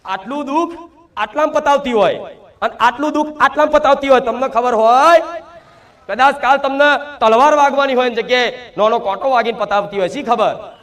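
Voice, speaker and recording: This man's voice is very high and a bit bright, and he talks fairly quickly. Acting as a spiritual medium, he voices the goddess in a devotional sermon, speaking as a divine mother straight to her devotees with emphatic force and plenty of rhetorical questions.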